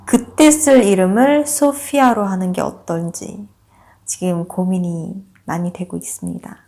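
A young woman vlogger telling a personal story in a casual, animated way, laughing often and acting out what people said. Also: lowish voice, a little slow.

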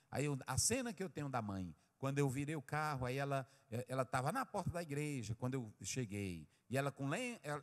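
A pastor, preaching a sermon and swinging from quiet asides to loud cries. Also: male voice, fairly high pitch. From Brazil. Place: church hall. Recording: long church-hall reverb.

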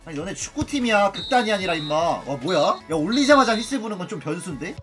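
A man giving comedic, excitable football video game commentary, swearing and yelling out player names. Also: high voice, quick pace, soft background music. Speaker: gaming YouTuber.

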